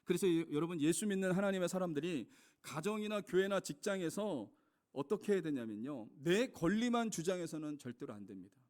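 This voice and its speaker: This pastor speaks in a brisk, animated way, his high voice carrying a touch of mellowness. His sermon is earnest and climbs to emphatic moments as he repeatedly addresses the congregation with "여러분".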